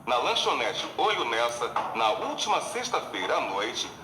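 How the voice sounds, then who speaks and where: A man's voice: medium pitch, very animated, moderate pace, natural voice. An actor playing a helpful young man with a Brazilian accent who explains things patiently. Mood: explaining. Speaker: journalism student explaining. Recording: roomy set with reverb and noise.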